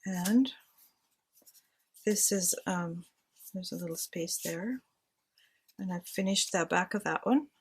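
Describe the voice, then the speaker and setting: Speaking slowly and pausing often, a crafting vlogger with a lowish, breathy voice decorates a handmade journal at home. She chats casually to herself and her viewers as she works.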